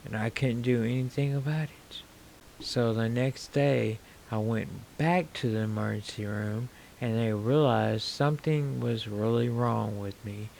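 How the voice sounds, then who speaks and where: A man in his forties with slurred speech, telling his own story to camera in a plain, unhurried way. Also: fairly low pitch, gravelly, a little mellow, a little hiss or hum. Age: 40s. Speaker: vlogger.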